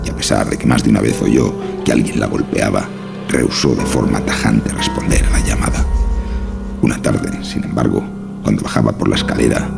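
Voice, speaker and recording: A man narrates a horror tale in an extremely deep voice. It is heavily creaky and gravelly, with a dramatic scripted delivery, and music plays prominently behind him.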